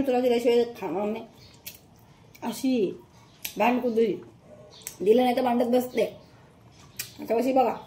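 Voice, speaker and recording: A woman's voice: a little high, dark tone. A woman talking to her pet dog at home, scolding and coaxing it in a casual, bossy way. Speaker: pet vlogger. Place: home kitchen.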